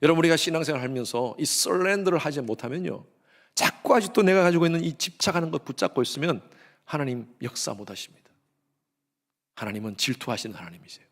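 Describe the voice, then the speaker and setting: Male pastor, middle-aged, sermon, slightly high voice, loud pleas then hushed lines. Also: animated, fast. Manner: preaching with dramatic swings from loud exhortation to hushed tones.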